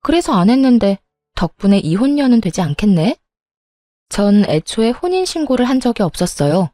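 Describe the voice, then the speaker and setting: A woman's voice: on the high side, mellow, dry recording. Woman narrating a story, firm and cold. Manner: firm, cold, matter-of-fact. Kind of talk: first-person story narration.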